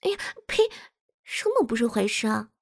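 A woman's voice: a little high, expressive, takes it slowly, darkish tone, no echo, clean studio sound, full character voice. A woman voicing a playful, bratty young girlfriend who teases and pouts in a coy, whiny way. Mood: coy protest. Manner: coy and teasing, whiny pouting. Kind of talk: audio role-play drama.

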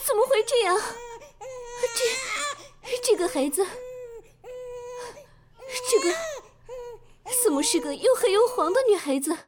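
Bossy, wailing young wife for audio drama, voiced by a woman; high, soaring pitch. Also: animated, a little slow, long pauses. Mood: tearful shock. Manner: domineering, wailing melodrama. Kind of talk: amateur audio drama acting.

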